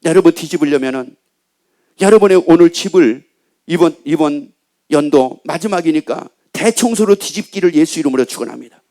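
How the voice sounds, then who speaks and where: A male pastor delivers a Sunday sermon in a church. His voice sits high for a man. He throws questions at the congregation, answers them himself, and repeats his phrases for weight. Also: expressive, a little fast, dark tone. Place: church sanctuary.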